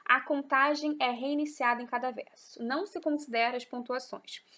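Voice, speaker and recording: A Brazilian Portuguese-accented woman teaches a lesson in a slightly high voice. She explains step by step and keeps checking that her students are following. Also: steady tone, moderate pace, pushed and bright. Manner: patient and explanatory, with frequent check-in tags. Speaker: literature teacher. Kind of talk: online class lecture.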